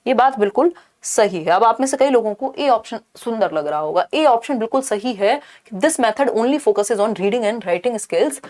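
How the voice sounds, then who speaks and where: A woman teaching an exam-prep class, her voice sitting a little high. She walks through each point step by step and slips English terms into her explanation. She keeps asking rhetorical questions and checking that the class is following along. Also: animated, measured pace, darkish tone. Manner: asks rhetorical questions and checks in with "thik hai".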